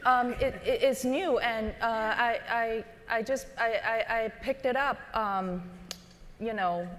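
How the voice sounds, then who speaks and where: A woman's voice: on the high side, slow pace. A woman design partner speaking on a live panel, hesitant and full of restarts as she gathers her thoughts. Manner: hesitant, many restarts and fillers. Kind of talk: unscripted panel talk. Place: conference stage. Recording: reverberant live conference hall.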